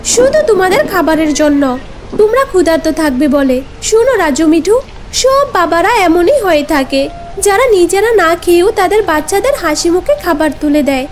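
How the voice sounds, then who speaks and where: A woman's voice: very high voice, lively intonation, moderate pace, slight background noise. A woman voicing a caring, anxious cartoon mother bird in a pleading, earnest way. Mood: tender, earnest. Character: caring, anxious mother tailorbird with tender devotion.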